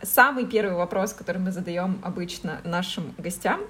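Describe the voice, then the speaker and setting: A woman's voice: on the low side, a bit bright, faint music behind. A woman in her twenties co-hosting a podcast, introducing the show and asking guests questions. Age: 20s. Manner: exclamatory, quick reactions. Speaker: podcast co-host.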